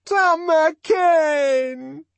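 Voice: mid-range voice, very animated, dry recording, pitched above the performer's own voice. A reader voicing a desperate, anguished middle-aged woman from a novel, pleading in a trembling, wailing voice. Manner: wailing, trembling, drawn-out cries.

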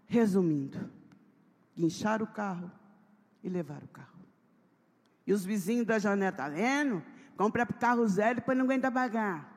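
A woman's voice: lowish voice, slightly rough. São lady pastor telling her story in a sermon, acts out everyone, big echoey hall. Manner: animated storytelling, acting out dialogue. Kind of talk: testimony sermon. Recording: long hall reverb.

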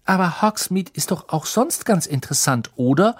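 A man's voice: high voice, expressive, normal speed, husky, pitched above the performer's own voice. A man voicing a clever, bossy schoolgirl witch who speaks eagerly and sharply.

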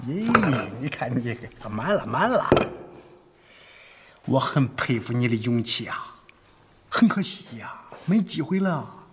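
A man's voice: mid-range voice, very animated, a little slow, long pauses, background noise. An actor playing a boastful, blustering male mountain bandit in a TV sitcom. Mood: menacing. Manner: blustering, wheedling, then cowardly. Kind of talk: TV sitcom acting.

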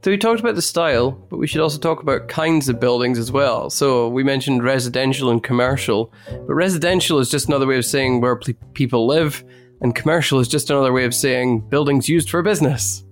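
A man from Scotland co-hosting a conversational English lesson, giving measured, dry explanations with careful hedging. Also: medium pitch, soft background music. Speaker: co-host and English teacher.

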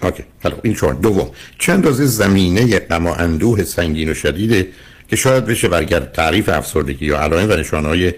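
An older man with a husky voice, a radio counseling host giving earnest, lecturing advice to a caller. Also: sits low, animated.

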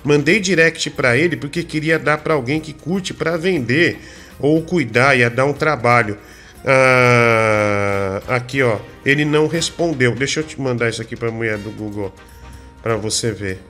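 A man's voice: mid-range voice, normal speed, fairly bright tone, faint music behind. A man hosting a comedy radio show, needling and teasing his co-host.

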